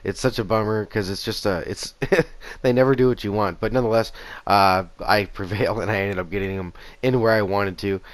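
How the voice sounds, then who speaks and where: A man in his thirties narrates his gameplay in an easygoing, rambling way, his voice raspy and a touch low. The sound is close and dry, picked up by a headset mic in a small home room. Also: no room sound. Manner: easygoing, rambling with fillers and restarts. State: raspy voice after a concert. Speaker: gaming channel host. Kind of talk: casual gameplay commentary. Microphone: gaming headset.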